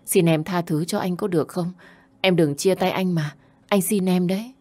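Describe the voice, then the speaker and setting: A guilty young fiancé who pleads and apologizes, begging to be forgiven, read by a woman in her own low voice. This is a storybook reading with little change from the narration. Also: moderate pace, mellow, close to an everyday voice. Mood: pleading.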